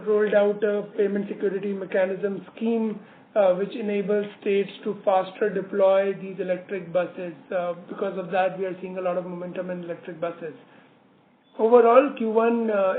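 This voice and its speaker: A man presenting company results as an executive on a business call, halting often with many filler words. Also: high-pitched. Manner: halting, hesitant delivery with frequent filler words. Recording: narrowband phone line, roomy echo, slight noise.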